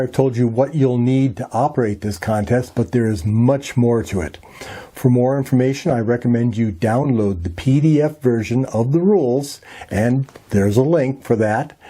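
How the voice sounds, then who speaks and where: Guy doing a scripted how-to narration, mellow relaxed voice, measured and instructional. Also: medium pitch, husky. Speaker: presenter of an amateur radio tutorial.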